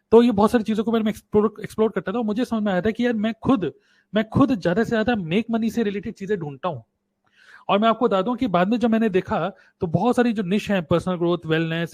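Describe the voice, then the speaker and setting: Guy from india running a webinar, high voice, keeps asking chat to type stuff, dry close desk mic. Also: no echo. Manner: repeats key points and asks viewers to type answers in chat. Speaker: webinar host and online business coach. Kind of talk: live webinar teaching in mixed Hindi and English. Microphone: desktop USB microphone.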